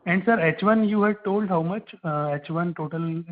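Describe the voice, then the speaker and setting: A man's voice: sits high, moderate pace. A man with an Indian accent asking financial questions as an analyst on a call. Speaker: analyst caller. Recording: narrow telephone line.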